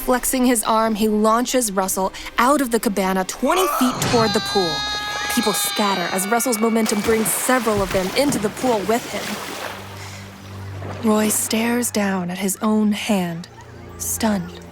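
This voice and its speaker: A woman's voice: medium pitch, a little slow. A woman reading scripted present-tense story narration for an action fiction podcast. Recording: prominent music bed under narration.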